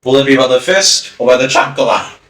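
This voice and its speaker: A man streaming a game, reading story text aloud with wry joking asides, slightly hoarse. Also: medium pitch, a little fast, fairly bright tone. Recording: roomy distant mic, music behind.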